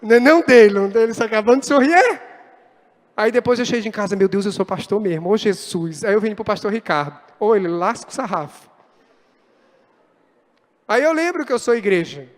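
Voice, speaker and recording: A male pastor preaching a lively sermon, acting out quoted dialogue as he speaks. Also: very high-pitched, a little fast, pauses often. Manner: animated, acts out quoted dialogue. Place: church hall. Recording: long church reverb.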